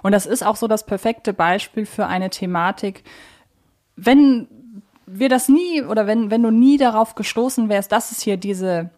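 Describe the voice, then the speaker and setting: A woman's voice: medium pitch, moderate pace, a little mellow. A woman co-hosting a podcast, explaining things in an articulate, analytical way in conversation. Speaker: podcast co-host.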